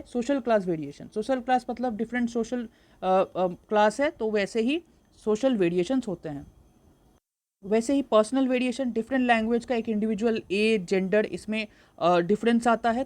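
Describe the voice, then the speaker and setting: Woman tutor, slow explaining style. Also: on the high side, a little mellow. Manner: explains slowly, mixing English terms, with frequent fillers. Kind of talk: exam-prep lecture.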